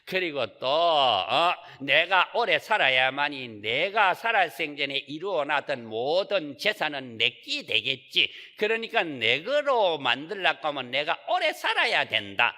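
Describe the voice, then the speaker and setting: Animated monk preaching in an echoing hall. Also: male voice, on the high side, unhurried, few pauses. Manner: animated, rhetorical questions, folksy asides. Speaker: Buddhist monk giving a Dharma talk. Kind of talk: sermon. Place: temple hall. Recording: reverberant temple hall.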